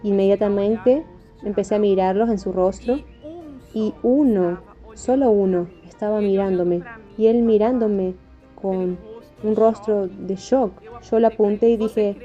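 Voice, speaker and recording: Dark-voiced woman giving earnest testimony. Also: mid-range voice, fairly even intonation, unhurried. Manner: earnest, emphatic retelling. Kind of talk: testimony narration. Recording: dull lo-fi audio with faint music.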